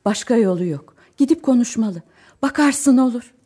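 Playing a warm-hearted, anxious middle-aged mother in a radio drama, this actress sounds worried, talking chattily and emotionally with sighs giving way to outbursts. Her voice sits on the high side, dark-toned and husky, animated at an ordinary pace.

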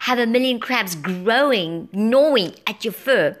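A woman's voice: a little high, lively intonation, unhurried. A woman voicing a male bird guide who teases with chirpy, gloomy warnings. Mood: teasing. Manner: chirpy, mocking.

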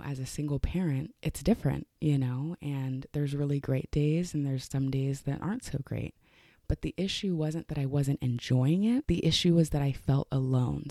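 A woman's voice: low-pitched, gravelly, dark tone, dry recording, studio quality. A woman hosting a casual self-help podcast, talking loosely with many fillers. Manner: chatty, lots of "like" and "you know" fillers. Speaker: podcast host.

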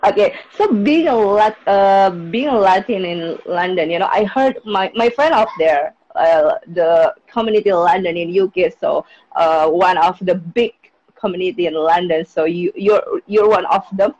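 A woman's voice: on the low side, normal speed, a little mellow, a little hiss or hum. Woman from indonesia hosting a podcast, indonesian native, stop-start english, muffled sound. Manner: hesitant, broken English with many fillers. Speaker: podcast host. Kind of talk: live podcast interview. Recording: dull lo-fi sound.

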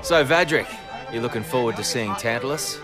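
A man's voice: mid-range voice, moderate pace, lightly acted. An actor playing a boisterous, matey bookmaker in a science fiction audio drama, with a colloquial showman's manner. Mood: matey, reassuring. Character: boisterous, matey male bookmaker in spaceship bar. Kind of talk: dramatic acting. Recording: loud music and crowd behind. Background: loud music and crowd.

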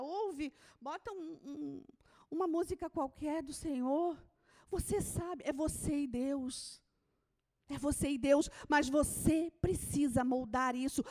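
High-pitched woman preacher; fervent sermon delivery, alternating shouted declarations with quiet, whispered moments. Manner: swings from shouted proclamations to hushed near-whispers.

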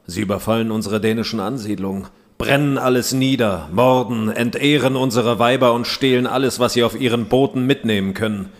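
Guy acting as a medieval king, grave and bossy, solemn declaiming, audio drama, middling male pitch. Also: brisk, natural voice. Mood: indignant. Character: indignant medieval Danish king, grave and commanding.

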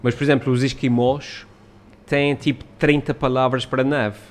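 A man with a European Portuguese accent, speaking in an ordinary mid-range voice. He talks in a relaxed, explanatory way, with many fillers and tag questions, like a video creator in casual chat. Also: mid-range voice, moderate pace. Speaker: YouTube creator.

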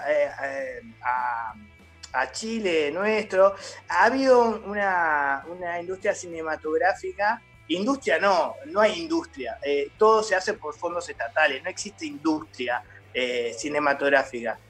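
Hesitant Uruguayan man, slightly high voice. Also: animated, a little slow, fairly bright tone, faint music behind. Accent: Uruguayan Spanish. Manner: hesitant, many fillers and restarts. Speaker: theatre company founder, guest. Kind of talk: casual interview chat.

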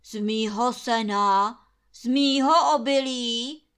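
A woman voicing a bossy, greedy male landlord who shouts commands in a storybook reading. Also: on the high side, clear, resonant tone, lightly acted. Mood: furious.

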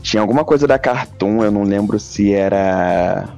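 A man with a Brazilian accent telling a story in a casual chat, animated and excitable. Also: fairly low pitch, normal speed, vocal fry, faint music behind. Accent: Brazilian Portuguese.

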